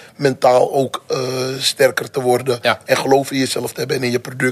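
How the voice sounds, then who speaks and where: A man talks at a moderate pace in a medium pitch. He has an ordinary speaking voice. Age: 40s. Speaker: entrepreneur, coworking space co-founder. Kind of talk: panel conversation before live audience.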